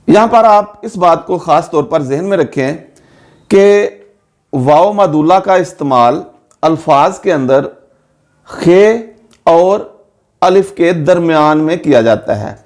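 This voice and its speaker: Careful, slightly high-voiced Urdu teacher man. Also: a little mellow. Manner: slow, careful, repeats words for pronunciation. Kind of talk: explanatory lesson to students.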